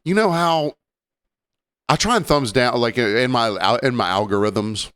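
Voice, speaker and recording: A man with a mild Southern accent hosting a podcast, rambling casually, joking and slipping into quick impressions. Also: medium pitch, a bit bright, clear, resonant tone, dry recording, clean studio sound. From Southern United States. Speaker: podcast host.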